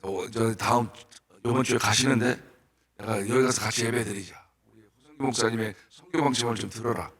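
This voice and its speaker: A man preaching a sermon as a guest missionary in a church, telling stories with animated bursts of shouting and questions to the congregation. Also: on the low side, brisk, husky. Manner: storytelling with rhetorical questions to the congregation. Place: church sanctuary.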